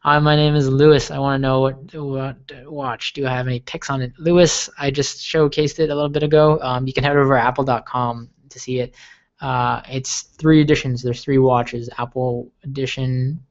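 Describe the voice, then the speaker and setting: A man's voice: medium pitch, level tone, normal speed. A young man hosting a live tech stream, answering viewer questions in an eager, rambling way and often repeating words. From Okinawa, Japan. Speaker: livestream host. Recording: lo-fi livestream audio.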